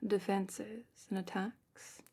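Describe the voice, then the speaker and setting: A woman playing a gentle, knowledgeable dragon keeper in a fantasy ASMR roleplay, speaking in a hushed, breathy, unhurried way that often drops into a whisper. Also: medium pitch, little pitch movement. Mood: hushed, informative. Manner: hushed, unhurried, careful explaining.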